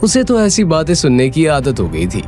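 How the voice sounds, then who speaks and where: A man narrating a dramatic audio story in an expressive storytelling manner. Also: on the high side, normal speed. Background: background music.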